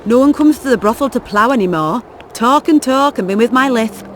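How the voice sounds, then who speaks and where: An actress playing a coarse, mocking brothel whore in a video game, with a blunt, foul-mouthed manner. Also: female voice, a little high, lively intonation, fairly quick, a little hiss or hum, natural voice. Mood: crude, mocking. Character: crude sharp-tongued brothel whore, adult woman.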